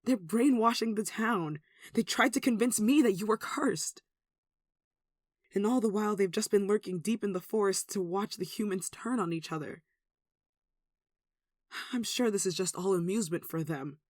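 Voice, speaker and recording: A performer with a mid-pitched voice playing an anxious, devout, caring villager in an earnest, hesitant ASMR roleplay. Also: moderate pace, long pauses, dry recording, clean studio sound, close to an everyday voice. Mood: alarmed, pleading. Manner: earnest, hesitant, soft sighing delivery. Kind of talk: ASMR roleplay audio drama.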